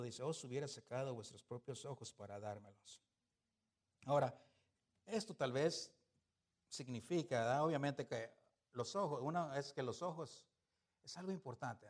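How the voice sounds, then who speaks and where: Animated higher-voiced male preacher. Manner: animated, swinging between loud emphasis and soft asides; rhetorical questions to the congregation. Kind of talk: sermon.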